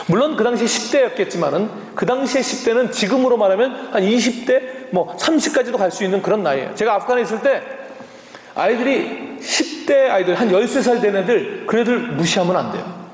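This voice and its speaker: A man's voice: high-pitched, lively intonation, a little fast. A man in his fifties, a missionary preaching a sermon and telling humorous stories, acting out voices as he quotes people. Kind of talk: sermon with storytelling. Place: church sanctuary. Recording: echoey church hall.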